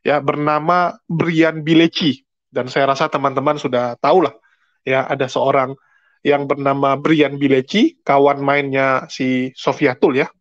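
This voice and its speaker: A man's voice: medium pitch, little pitch movement, unhurried, dry recording, dull audio. A man with an Indonesian accent giving a casual commentary monologue, explaining with everyday examples. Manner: chatty, explains with everyday examples and mock English. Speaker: religious commentary channel host.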